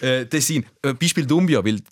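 A man who hosts a casual chat, asking brisk questions. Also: mid-range voice, no echo, studio quality. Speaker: host. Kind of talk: casual talk show chat.

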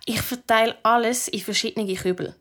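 A woman playing Sophie, a stubborn, excitable girl in a children's radio play. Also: a little high, lightly acted. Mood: defiant. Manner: feisty, quick to flare up.

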